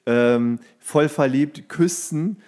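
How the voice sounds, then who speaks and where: A man's voice: a little high, slow pace, a little mellow. Jokey man in casual podcast chat. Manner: jokey, teasing, colloquial. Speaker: podcast co-host and actor.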